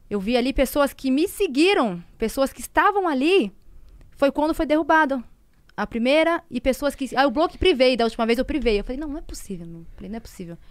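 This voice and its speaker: Very wide pitch swings and big shifts in loudness fill a woman's high-pitched, fairly quick speech, captured in a very clean recording with a silent background. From São Paulo, Zona Norte. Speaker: social media personality. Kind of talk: podcast interview.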